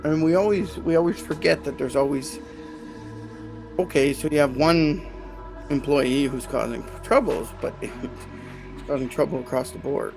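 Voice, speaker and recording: A man's voice: fairly high pitch, a little slow, vocal fry, pauses often, a little mellow, soft background music. A man hosting a live stream as an HR consultant, talking casually and often checking in with "right?". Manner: conversational, self-correcting, asks "right?" often. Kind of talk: casual livestream talk.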